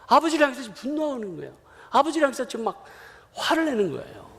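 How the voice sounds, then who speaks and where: A middle-aged missionary man preaching a sermon, his voice sitting high for a man. He tells family stories and acts out both sides of the dialogue with animated swings. His voice rings out with a long reverb in the church sanctuary. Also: rapid-fire, creaky.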